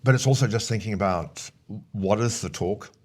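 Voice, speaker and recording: A man's voice: lowish voice, moderate pace, a little mellow, slightly rough. A man talking as a coach in a conversational interview, explaining his points emphatically and often punctuating them with short check questions. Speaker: speaker coach, interview guest.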